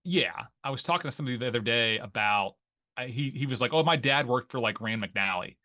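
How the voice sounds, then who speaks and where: Ohio guy in his 40s, bright voice, rambles along with lots of likes and restarts. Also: mid-range voice, animated, a little fast. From Northeast Ohio. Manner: rambling, many fillers and restarts. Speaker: guest, newsletter writer. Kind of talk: casual interview conversation.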